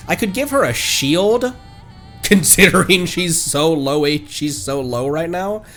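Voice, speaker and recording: A man's voice: a little high, animated, a little slow, fairly bright tone, soft background music. A man livestreaming a video game, chatting casually and thinking aloud in a rambling way as he plays. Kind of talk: casual gameplay stream commentary.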